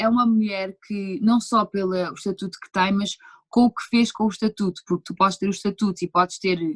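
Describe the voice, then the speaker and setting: A somewhat breathy woman's voice at medium pitch, with fairly even intonation and a dry, close sound with no echo. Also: fairly quick pace. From Portugal, Lisbon. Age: 20s. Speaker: musical theatre performer. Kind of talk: interview.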